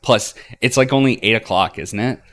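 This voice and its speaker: A man's voice: on the low side, moderate pace, fairly bright tone, soft background music, voice pushed up, natural voice. A man voicing an eager, sweet, shy young woman in visual novel dialogue. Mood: excited.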